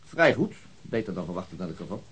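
An actor playing a methodical, weary police detective in a radio drama, speaking in a dry, deliberate, sometimes hesitant way. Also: male voice, low-pitched, big pitch swings, husky, full character voice, poor audio. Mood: dry, thoughtful. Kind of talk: naturalistic radio drama dialogue.

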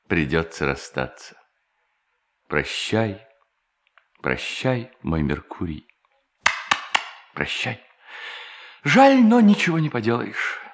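An actor playing a nervous, scheming bank cashier in a radio play, shifting between polite talk and urgent private muttering. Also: male voice, lowish voice, a bit bright, heavily acted. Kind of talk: radio play acting with inner monologue.

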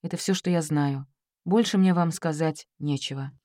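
A woman narrator voicing a reserved seventeen-year-old Japanese youth who gives quiet, clipped answers under questioning. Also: low voice, moderate pace, no room sound, studio quality, natural voice. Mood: guarded.

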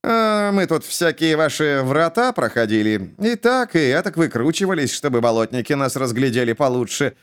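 A crazed storybook jester, acted by a man, cocky and unpredictable. He hisses and jumps into sudden high shouts, his pitch swinging widely. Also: sing-song, moderate pace, few pauses, clear, resonant tone. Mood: mocking. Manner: jumpy, hissing, bursts into shouts. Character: mad male jester, erratic, hissing, shouting.

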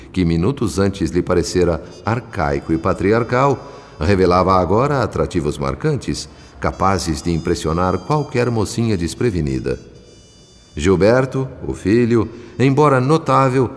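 Deep Brazilian male radio-drama narrator. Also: lively intonation, a little slow. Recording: long hall reverb, music underneath.

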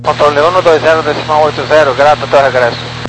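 A man's voice: fairly high pitch, steady tone, fast. A Brazilian man, a pilot, giving clipped readbacks and call signs over an aircraft radio. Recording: noisy aircraft radio with electrical hum.

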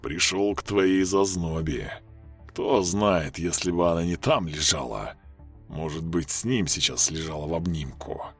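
A man's voice: rumbling low, expressive, takes it slowly, a bit bright, husky, faint music behind, pitched below the performer's own voice, heavily acted. A man doing a sneering parasite voice. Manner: mocking, coarse, scheming. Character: sneering parasite voice inside a young man's head.

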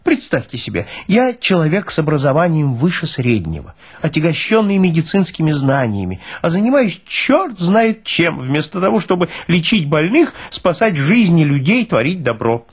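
An actor playing a fussy, self-pitying army medical officer who pleads and laments theatrically in an audio drama. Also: male voice, fairly high pitch, sing-song, normal speed, few pauses, husky, voice pushed up, exaggerated voice. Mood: aggrieved lamenting.

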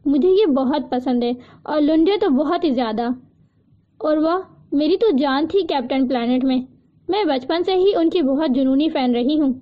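Eager young woman, read by a narrator, urgent, insistent, high voice, dull lo-fi audiobook. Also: natural voice. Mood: delighted. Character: eager, determined young woman solving a puzzle. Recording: dull lo-fi recording.

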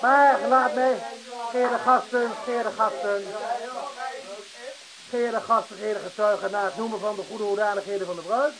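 An actor playing a pompous self-styled registrar, making bombastic, halting, repetitive ceremonial speeches in a radio play. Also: male voice, high voice, steady tone, low-quality recording. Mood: grandiose. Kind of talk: theatrical radio play acting. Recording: radio play with crowd noise.

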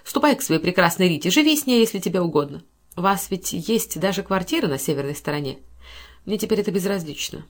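A woman voicing a furious, wounded wife whose bitter voice rises shrill when she is angry. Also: lively intonation, quick pace.

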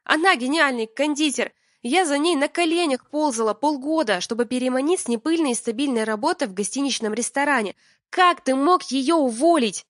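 A woman voicing a furious young woman who owns a restaurant, with a voice that turns shrill when she shouts. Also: expressive, fast talker, few pauses, no echo, studio quality.

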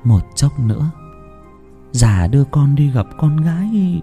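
An old village woman, as a male storyteller puts her on, speaking slowly and steadily in a mellow, soothing tone. Her words are unhurried and firm, with faint music behind her. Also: medium pitch, animated, in a large hall, pitched above the performer's own voice. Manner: gentle, soothing.

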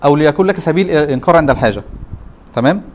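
Animated and racing, a slightly high, somewhat mellow male voice lectures a class with an Egyptian Arabic accent. The teacher relies on a steady stream of rhetorical questions to prompt his students.

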